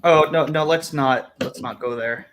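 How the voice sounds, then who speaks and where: Somewhat high-voiced man, casual and halting. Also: fairly bright tone, a little hiss or hum. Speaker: panelist on an entertainment chat show. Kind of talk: casual chat.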